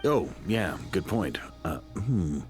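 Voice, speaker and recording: A man's voice: sits low, sing-song, slow pace, soft background music, full character voice. A man voicing a fatherly, teasing, sentimental guy in a video game. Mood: warmly teasing.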